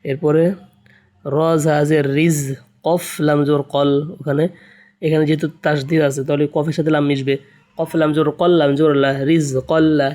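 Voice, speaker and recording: Man spelling out Arabic letters, flat. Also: fairly high pitch. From Bangladesh. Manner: slow sing-song spelling chants, then quick spoken explanations. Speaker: Quran teacher. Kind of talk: spelling out Arabic letters and vowel marks for beginners.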